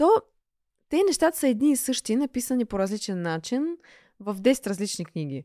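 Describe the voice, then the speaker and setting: On a very clean recording with a silent background, a woman with a high voice and a dark, mellow tone speaks at a moderate pace with very wide pitch swings. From Russia. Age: 20s. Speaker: Instagram influencer and blogger. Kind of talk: casual interview chat. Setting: studio.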